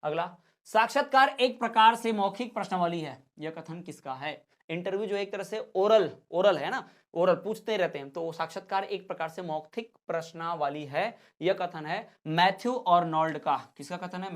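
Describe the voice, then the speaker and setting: A man's voice: high voice, normal speed. A male teacher giving an exam-prep lecture. He asks each question, answers it, then repeats the answer plainly and steadily. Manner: plain, steady classroom explaining.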